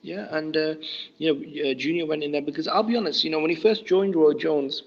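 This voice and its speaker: A man talks through a boxing match quickly and keenly, leaning on "you know" as he goes. His voice sits a little high. The audio is muffled. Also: fairly even intonation. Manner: fluent, enthusiastic, many fillers like you know. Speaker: boxing talk guest. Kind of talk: casual boxing analysis.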